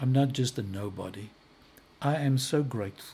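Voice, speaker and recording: Lively intonation marks this man's medium-pitched voice. His tone is dark and mellow, and somewhat breathy. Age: 60s. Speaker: spiritual self-help broadcaster. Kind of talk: motivational live broadcast talk. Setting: live online broadcast. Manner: warm, gentle, encouraging.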